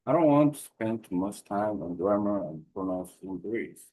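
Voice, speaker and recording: Man, lowish voice, careful halting reading, language learner, study notes, computer mic. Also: expressive, mellow, low-quality recording. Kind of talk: reading his own study notes aloud.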